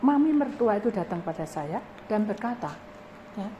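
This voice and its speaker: A woman pastor preaches a testimony, animatedly acting out each exchange. Her voice sits at an ordinary middle pitch. Steady background noise runs under the recording. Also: moderate pace, dull audio. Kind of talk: sermon testimony. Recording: noisy live recording.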